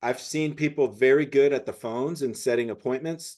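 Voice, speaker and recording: In a normal speaking voice, a man with an American accent talks at a moderate pace and medium pitch with ordinary pitch variation against a quiet background. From California. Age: 30s. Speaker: real estate agent. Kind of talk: interview.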